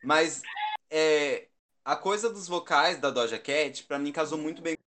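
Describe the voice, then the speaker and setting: A man's voice: on the high side, a little slow, fairly bright tone. A man with a Brazilian Portuguese accent in casual chat, gushing and emphatic about what he loves. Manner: gushing, emphatic fan talk.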